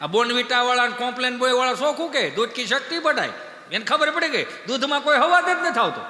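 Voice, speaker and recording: A male stage comedian tells folk stories to a live crowd. He shouts his punchlines and laughs through his lines. His voice is high and very bright, with a long hall reverb behind it. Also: fast. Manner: animated, shouts punchlines, laughs mid-sentence.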